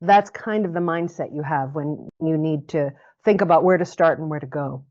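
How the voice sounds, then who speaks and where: Low-voiced woman, muffled lo-fi audio. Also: normal speed. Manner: reflective, expressive, repeats words while thinking. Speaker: guest speaker coach. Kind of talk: interview conversation. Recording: muffled lo-fi recording.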